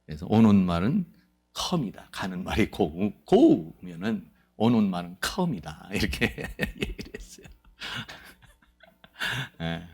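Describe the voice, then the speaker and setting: A man preaching a sermon as pastor of a church, lively and playful, acting out quoted voices. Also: lowish voice, slow pace, gravelly, husky. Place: church sanctuary.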